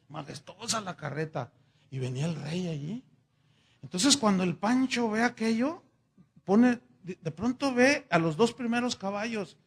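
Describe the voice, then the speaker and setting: A man, a pastor telling a story in a sermon, animated and chatty with fillers. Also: high-pitched, slightly rough.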